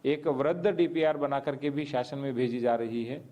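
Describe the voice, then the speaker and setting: A man speaking as a local official, explaining to the press in measured, formal bureaucratic wording. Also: mid-range voice, highs cut off.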